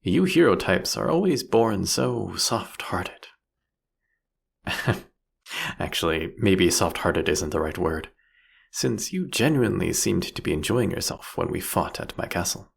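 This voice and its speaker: A jealous, philosophical vampire king acted by a man for a fantasy audio roleplay. His voice is deep and rough with fry, rising and falling expressively. He draws out his eloquent phrases with a teasing, seductive mockery. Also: very animated, a little slow, heavily acted. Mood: amused, probing.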